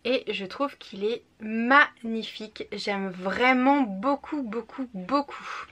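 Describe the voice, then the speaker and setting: A woman's voice: on the high side, slow pace, fairly bright tone. Chatty French-speaking young woman. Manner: chatty, enthusiastic, with frequent fillers. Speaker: book vlogger. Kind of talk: casual unboxing vlog.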